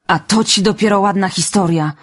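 A woman voicing a stern, brisk middle-aged spinster who exclaims sharply and indignantly. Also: medium pitch, expressive, darkish tone, husky, pitched above the performer's own voice.

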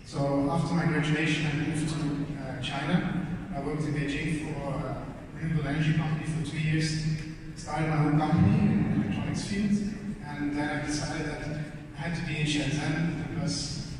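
Man, from belgium, stage guest, level monotone delivery, lots of ums, distant mic, big reverberant hall. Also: a little high, normal speed, noisy background. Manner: steady, flat storytelling with frequent filler sounds. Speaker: panel guest, hardware designer. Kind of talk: onstage panel talk. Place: large conference stage in a hall. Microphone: handheld microphone, recorded from far in the audience. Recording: echoey hall recorded from far off.

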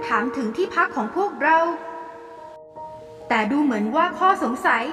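A woman's voice: high voice, animated, moderate pace, music in the background. A woman voicing a kind, earnest young son of a poor mother in a cartoon story. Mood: curious. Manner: polite, earnest.

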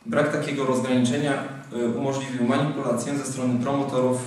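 A man's voice: medium pitch, flat delivery, darkish tone. Young man reading a speech in an echoey hall. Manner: formal, measured delivery from a script. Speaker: speaker at a convention. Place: large hall, at a lectern. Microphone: lectern microphone. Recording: very echoey hall, mic at a distance.

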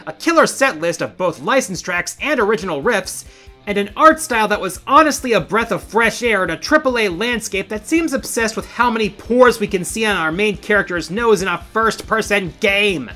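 A man's voice: sits high, lively intonation, moderate pace, bright, forceful tone. A middle-aged man hosting a gaming countdown, reading scripted narration in an emphatic, playful showman's manner. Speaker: host of a video game countdown show. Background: music behind the voice.

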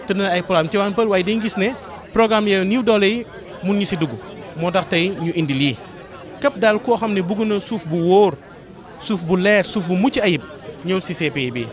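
A middle-aged Senegalese man, a real estate promoter, speaking earnestly to journalists at a crowded outdoor event, repeating his pitch. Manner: earnest, repetitive promotional speech mixing Wolof and French. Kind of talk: press statement to journalists. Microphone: several press microphones held close. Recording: noisy crowd around interview. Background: crowd chatter.

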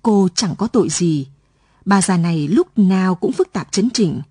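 A woman radio reader telling a late-night story in a calm, measured way in a studio. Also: medium pitch, breathy edge, dry recording.

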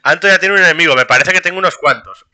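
A young man, streaming a game and talking to his chat in a casual, excitable way, laughing often. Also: fairly high pitch, racing. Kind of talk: casual gameplay commentary.

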